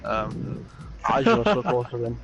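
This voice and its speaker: Mid-pitched man hosting racing interviews. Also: very animated, unhurried, highs cut off. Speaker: host of online racing league podium interviews. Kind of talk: casual post-race interview chat. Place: voice chat from separate remote locations.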